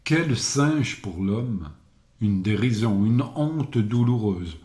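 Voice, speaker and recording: A solitary prophet proclaiming his teaching to a crowd, voiced by a male reader. He declaims slowly in a low, dark tone, and the recording carries a roomy echo. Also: lively intonation. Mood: declaiming.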